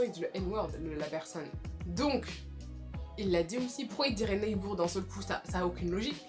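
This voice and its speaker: Emphatic young woman vlogger over faint music. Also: mid-range voice. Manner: emphatic, repeats points, keeps apologizing. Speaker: video creator. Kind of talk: casual commentary vlog.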